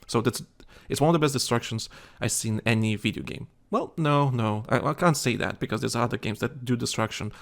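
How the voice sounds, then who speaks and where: A man's voice: mid-range voice, a little fast, vocal fry, hardly any pauses. A tired man co-hosting a casual gaming chat show, rambling with many restarts and fillers. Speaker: podcast co-host.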